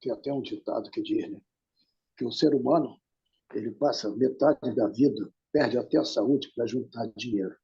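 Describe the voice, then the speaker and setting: A man in a study group discussion, speaking in a relaxed, folksy way. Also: medium pitch, moderate pace, gravelly, husky, highs cut off.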